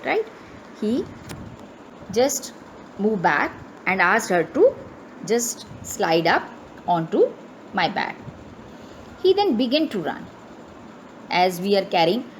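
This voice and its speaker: Indian woman teacher, slow and lively. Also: mid-range voice, slight background noise, poor audio. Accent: Indian English. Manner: reads a line, then explains it and checks with "right?". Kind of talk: online class reading and explaining a story.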